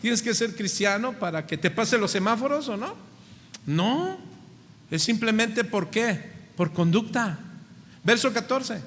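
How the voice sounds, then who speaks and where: A Mexican pastor with a high, bright voice preaches with a Mexican accent, putting question after question to his congregation and stretching out the words he stresses. The sound carries the long reverb of a church hall. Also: animated, unhurried, slight background noise. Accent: Mexican Spanish. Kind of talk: sermon.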